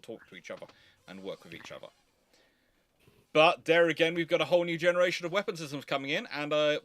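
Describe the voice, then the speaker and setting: A man's voice: mid-range voice, a bit bright. A man giving casual live commentary, explaining things emphatically and repeating himself to qualify each point carefully. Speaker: host of naval history live Q&A.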